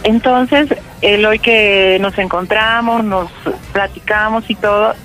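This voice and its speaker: A performer playing a young trans woman, halting and filler-heavy on a prank call. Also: medium pitch, steady tone, a bit bright, soft background music, low-quality recording. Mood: hesitant. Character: young trans woman calling her mother, nervous. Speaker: prank caller. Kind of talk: prank phone call role-play.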